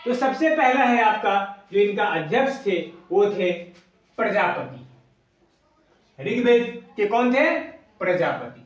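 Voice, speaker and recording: A man teaching an exam coaching lesson, asking questions and then repeating the answers slowly. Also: high voice, animated, distant mic, lo-fi sound. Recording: echoey room, voice away from mic.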